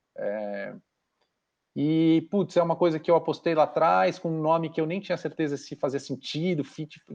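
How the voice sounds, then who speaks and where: A man talks in a high pitch over a quiet background. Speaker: cooking youtuber and spice business owner. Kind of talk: podcast interview. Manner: fast.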